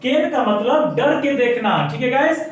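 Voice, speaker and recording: A man teaching an English lesson, explaining patiently and slowing down to repeat example words for dictation. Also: very high voice, distant mic. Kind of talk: classroom-style language lesson. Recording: very echoey room, voice off-mic.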